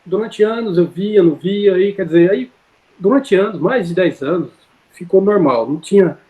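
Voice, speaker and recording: A high-voiced man tells his story in a loose, conversational way. He circles back, restarts sentences and leans on fillers. The sound comes through a video call. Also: moderate pace, narrow, tinny audio. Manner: rambling, many fillers and self-corrections. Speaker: interview guest.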